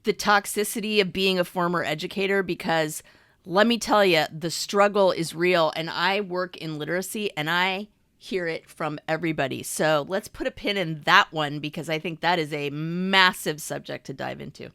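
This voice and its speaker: A middle-aged woman co-hosting a podcast, bubbly and quick to react. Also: on the low side, fairly bright tone, no room sound, studio quality. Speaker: podcast co-host. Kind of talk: casual chat.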